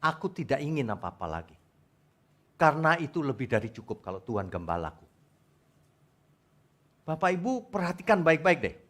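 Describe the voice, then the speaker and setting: A man's voice: on the high side, big pitch swings, moderate pace, long pauses, a bit bright. A male pastor preaching a sermon to his congregation in church, asking them questions. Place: church service before a congregation.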